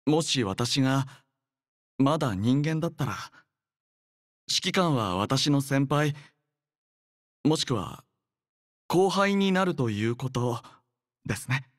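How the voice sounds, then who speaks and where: A man voicing an earnest, devoted young male soldier in a game, speaking politely, softly and sincerely in a measured way. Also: mid-range voice, lively intonation, no room sound, studio quality. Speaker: voice actor. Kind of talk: acted game character voice lines.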